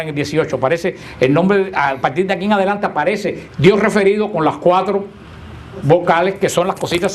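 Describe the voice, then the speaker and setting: A man leads a Bible class before a live group, his voice sitting a little high for a man. He talks conversationally, tossing questions to the room and teasing his listeners. A faint hum of noise sits behind him.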